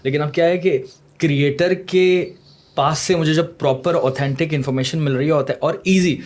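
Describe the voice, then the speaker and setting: Male podcast host, somewhat high voice, casual chat, drops English phrases, easily impressed. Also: fairly even intonation. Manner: chatty, mixes English phrases, warmly impressed.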